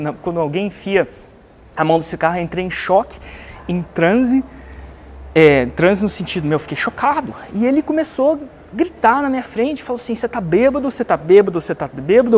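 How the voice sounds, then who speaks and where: A man's voice: high voice, slight background noise. A man from Brazil with a Brazilian Portuguese accent, animatedly telling a story to teach a lesson and acting out the other people's lines. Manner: animated, acts out the other voices in his story. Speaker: online business coach.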